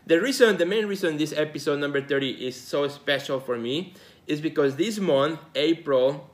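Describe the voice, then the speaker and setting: A man in his forties from Mexico, hosting his own show as a casual solo talk, relaxed and rambling, with many fillers and restarts. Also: fairly high pitch, moderate pace. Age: 40s. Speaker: podcast host.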